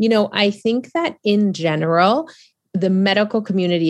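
Moderate pace and ordinary pitch variation from an ordinary speaking voice. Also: woman. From Argentina (Buenos Aires), raised in US from fourth grade. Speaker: physician, obesity medicine specialist. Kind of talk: interview conversation.

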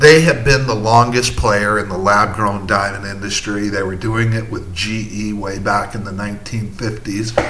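Over noticeable background noise, a man speaks fairly slowly at a fairly low pitch with fairly even intonation and hardly any pauses. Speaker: podcast host. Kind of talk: angry rant. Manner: indignant, worked-up, sarcastic; talks over co-host, jokey, bickering.

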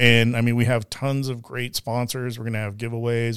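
Recorded very cleanly against a silent background, a man with an American accent talks at medium pitch. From Southern California (Anaheim). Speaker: motorcycle industry figure and content creator. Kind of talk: casual interview chat. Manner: casual, with many fillers.

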